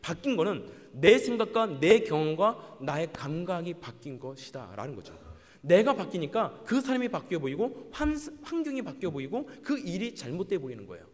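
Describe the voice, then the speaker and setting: A man preaching a sermon as pastor, animated, acting out quoted voices with big swings between high and low. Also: normal speed, big-room sound.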